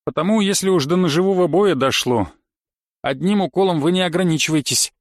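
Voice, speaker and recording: A man's voice: high voice, fairly quick, no echo, clean studio sound. A man voicing a pedantic male knife-fighting coach who lectures dryly and thoroughly in an audiobook. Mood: lecturing. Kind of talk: audiobook character reading.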